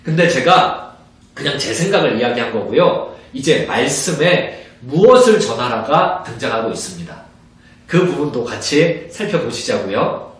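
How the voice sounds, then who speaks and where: A man, a pastor, giving an evangelism training lecture in an animated way, acting out little conversations as he teaches. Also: mid-range voice, moderate pace. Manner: animated, acts out little dialogues in different voices. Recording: very echoey room, distant mic.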